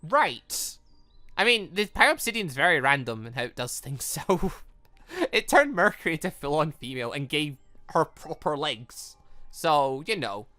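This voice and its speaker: A bright, forceful voice with lively swings in pitch, playing through a visual novel. The host talks in an animated, rambling way, breaking off to react, over background game music in a dry, close recording. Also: normal speed. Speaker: gaming video host. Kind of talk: visual novel let's play, reading dialogue aloud with off-the-cuff commentary.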